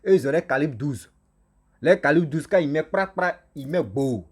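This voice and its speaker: A man, whose first language is a local African language, telling a village legend to his viewers in a lively, repetitive style with frequent asides to them. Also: fairly high pitch, normal speed, slightly rough. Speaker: storyteller and channel host. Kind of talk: casual oral storytelling to viewers.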